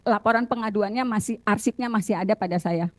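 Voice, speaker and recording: An Indonesian woman giving courtroom testimony as a witness and lawyer, recounting details haltingly with repeated phrases. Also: mid-range voice, no echo. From Cirebon, Indonesia.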